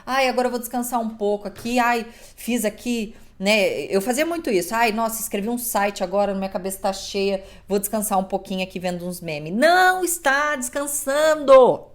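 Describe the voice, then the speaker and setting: A woman in her thirties with a Brazilian accent, hosting a podcast in a casual, expressive monologue, swearing now and then and acting out the people she quotes. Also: medium pitch, brisk, hardly any pauses. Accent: Brazilian Portuguese. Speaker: podcast host.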